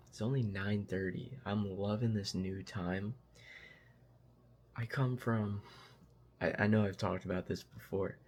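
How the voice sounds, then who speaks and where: A man's voice: fairly low pitch, slight background noise. A young man talking casually to the camera at home in a vlog, reflective and self-motivating. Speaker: vlogger. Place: at home, indoors.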